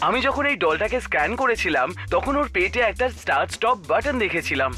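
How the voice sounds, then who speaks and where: A man's voice: sits high, very animated, fast talker, pushed and bright, heavily acted. A man voicing an eager, clever talking car sidekick in a children's cartoon, explaining things in an upbeat way. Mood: reassuring. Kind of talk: animated children's cartoon acting. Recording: music behind the voice.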